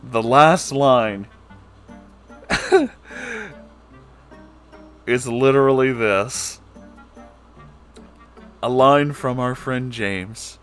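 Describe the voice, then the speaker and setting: A man's voice: mid-range voice, animated, extremely slow, long pauses, a bit bright, clear, resonant tone, soft background music. A man giving casual, sweary commentary on a book as host, sarcastic and emphatic in his delivery. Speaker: host of a book reading series.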